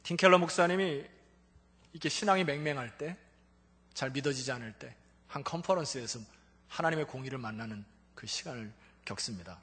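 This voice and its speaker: A male pastor preaching a sermon to his congregation, fervent and building up to loud, emphatic peaks. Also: medium pitch, brisk, slightly rough. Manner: fervent, rising to near-shouting peaks. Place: church sanctuary. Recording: long church hall reverb.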